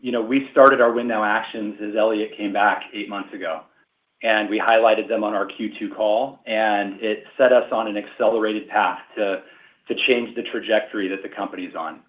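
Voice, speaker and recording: A male finance executive explaining results on an earnings call in a steady, explanatory way, with fillers. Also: fairly low pitch, moderate pace. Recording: echoey tinny phone line.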